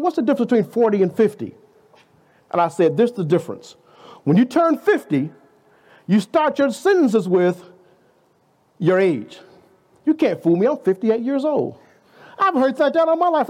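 Lively high-voiced preacher man in his fifties. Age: 50s. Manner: conversational preaching, rhetorical questions, playful asides. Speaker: guest preacher. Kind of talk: sermon.

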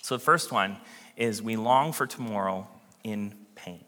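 A man preaching a sermon to his congregation, earnest and animated, often dropping to a hush at the ends of phrases. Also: fairly low pitch, measured pace. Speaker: pastor. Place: church sanctuary. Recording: long reverb of a large church hall.

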